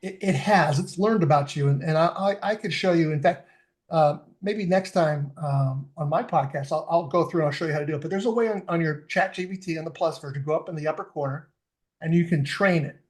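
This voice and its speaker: Talking fairly quickly in a voice on the high side, this middle-aged man is guesting on a laid-back podcast. As a fitness tech expert, he eagerly breaks down tools one step at a time.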